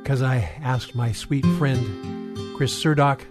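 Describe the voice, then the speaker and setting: A man's voice: medium pitch, slow pace. Earnest male Christian radio host over guitar. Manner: earnest, devout, direct address to listeners. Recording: loud live guitar music behind. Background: guitar music.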